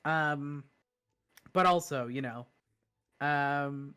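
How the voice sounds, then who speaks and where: A woman's voice: deep voice, extremely slow, a bit bright, clean tone. Woman musing in casual stream chat. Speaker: streamer and co-host. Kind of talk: casual chat about a book.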